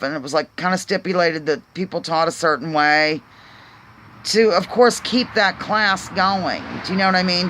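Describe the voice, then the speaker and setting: A woman's voice: on the low side, fairly bright tone. Rambling Pennsylvania woman vlogger. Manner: rambling, hesitant, many ums and restarts; earnest, questioning. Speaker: vlog host. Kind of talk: casual musing monologue to viewers.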